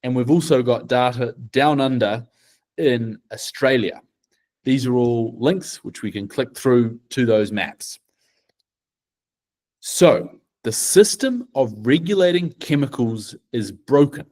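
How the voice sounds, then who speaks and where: A middle-aged man with a New Zealand accent, presenting a team project in a deliberate, measured way. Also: medium pitch, a little mellow.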